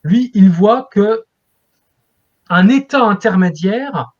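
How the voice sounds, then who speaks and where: A man's voice: high-pitched, lively intonation, slow, highs cut off. A man speaking as a guest expert in an interview, explaining things in a lecturing way as if to students.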